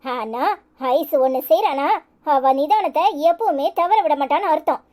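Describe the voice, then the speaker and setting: A bossy but caring elder village sister from a cartoon talks bluntly in a Tirunelveli Tamil accent. Her voice is very high and lively. She fusses and scolds like a mother. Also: normal speed. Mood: stern. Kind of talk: cartoon voice acting.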